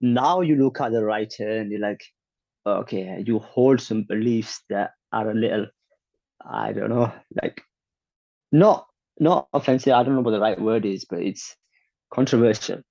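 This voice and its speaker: A man's voice: fairly low pitch, normal speed, creaky, warm tone, no room sound. Opinionated young man, dull dry sound. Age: 20s. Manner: opinionated, acts out quotes, stammers on restarts. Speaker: conversation partner. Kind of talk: casual chat.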